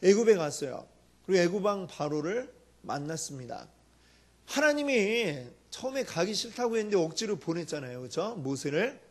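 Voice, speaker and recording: A male pastor preaching a sermon, telling a story with lively acted-out quotes and asking the congregation questions. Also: sits high, moderate pace.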